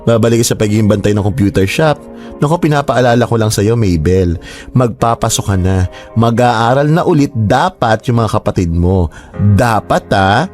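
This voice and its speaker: An actor playing a gossipy, flamboyant gay best friend, with theatrical swooping exclamations. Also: male voice, fairly low pitch, normal speed, darkish tone, soft background music, close to an everyday voice. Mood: nagging. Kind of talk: radio drama acting.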